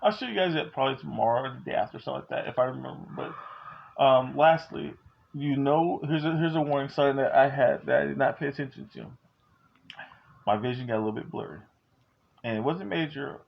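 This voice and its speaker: A man's voice: medium pitch, a little fast, creaky, highs cut off. A man in his forties talking at home, candid and joking but earnest as he gives advice. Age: 40s. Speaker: vlogger. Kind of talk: casual talk to camera.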